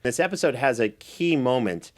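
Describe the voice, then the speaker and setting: A man with a medium-pitched voice hosts a recap podcast. He talks conversationally and effusively, setting up questions for a guest. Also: lively intonation, moderate pace. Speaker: podcast host and producer. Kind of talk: chatty recap show hosting.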